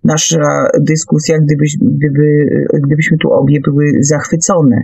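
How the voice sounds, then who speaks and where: A middle-aged woman hosting a reflective radio discussion, speaking deliberately and hesitantly with searching pauses. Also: low voice, level tone, creaky, warm tone, breathy edge, dry recording. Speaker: radio host. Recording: muffled online radio audio, faint music.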